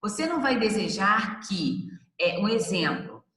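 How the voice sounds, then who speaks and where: Woman lecturer, mid-pitched voice, chatty teaching style, calls on students, echoey reverberant room. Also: very animated, a little slow, fairly bright tone. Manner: conversational, addresses students by name, rhetorical questions. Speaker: university lecturer. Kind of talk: online class lecture.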